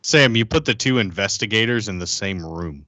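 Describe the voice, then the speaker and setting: A man bantering casually as a tabletop game player, wry and quick to swear. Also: lowish voice, lively intonation, pushed and bright, no room sound, muffled recording.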